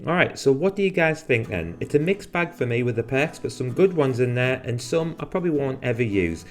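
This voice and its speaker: A man's voice: medium pitch, animated, a little fast, soft background music. A man hosting a gaming channel, explaining new characters and abilities in a casual way, with the odd dry, sarcastic aside. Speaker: gaming video host. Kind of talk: game guide commentary.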